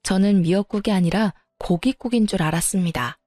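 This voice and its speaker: A woman narrating a family story in the first person, in an even storytelling manner. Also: mid-range voice, fairly quick, no echo, studio quality, soft background music. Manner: even, storytelling, politely firm in quoted lines.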